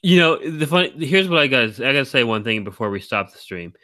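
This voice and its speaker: A man hosting a live stream, talking in a rambling, teasing way with a deep baritone voice, very tired. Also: sing-song, fast, sharp tone, no room sound. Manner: rambling, teasing, laughs often. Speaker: stream host. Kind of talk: casual chat.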